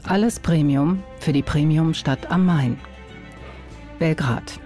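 A woman playing a formal, deadpan newsreader in a satirical scripted radio bulletin. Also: low-pitched, takes it slowly, faint music behind.

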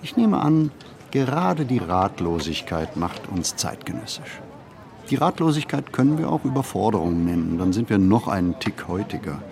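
A man playing a pensive city wanderer in a radio play, narrating a literary monologue with deliberate, measured phrasing and pauses. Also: fairly low pitch, sing-song, vocal fry, crowd noise. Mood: musing. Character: pensive male city wanderer musing on modern life. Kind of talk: scripted literary monologue, reflective first-person narration.

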